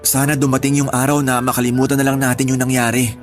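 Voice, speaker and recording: A man's voice: medium pitch, level tone, fast talker, soft background music, natural voice. A man acting as an apologetic young gay man confessing secret love in a Tagalog radio drama, earnest and pleading, with a Filipino accent.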